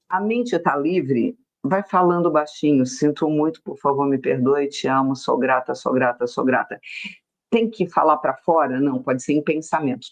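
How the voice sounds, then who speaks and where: A woman with a Brazilian accent, teaching an online self-help class, speaking emphatically and slowly repeating phrases in a soft chant. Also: low voice. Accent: Brazilian Portuguese. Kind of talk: online class with sales pitch and guided mantra exercise.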